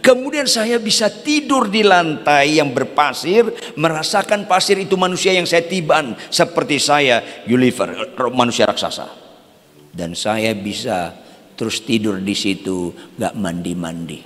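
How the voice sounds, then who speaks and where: An older man, a pastor, preaching with humor and telling a self-mocking story about his marriage, swinging from loud outbursts to hushed asides. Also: medium pitch, lively intonation, unhurried. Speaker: pastor and theology lecturer. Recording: long hall reverb, faint music.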